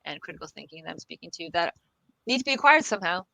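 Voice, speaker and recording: A woman's voice: fairly low pitch, lively intonation, fast talker, gravelly, sharp tone, no echo, rough recording. A woman guest on a casual podcast interview, reassuring and laughing often, repeating herself as she talks. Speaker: guest expert on the future of work.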